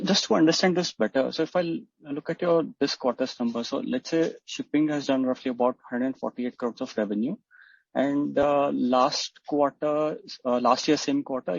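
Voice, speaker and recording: The audio is dull, dry and band-limited. A husky-voiced man of medium pitch speaks as an analyst, putting questions on an earnings call. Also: a little mellow, no room sound. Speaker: fund analyst asking questions.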